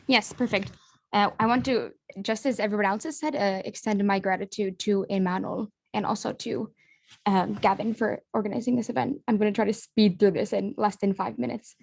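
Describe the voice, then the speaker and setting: This is a young woman from the United States presenting in an online webinar. Her mid-pitched voice has heavy vocal fry. She moves briskly and in a friendly way, with filler words, heard through a video-call mic. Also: fairly even intonation, darkish tone.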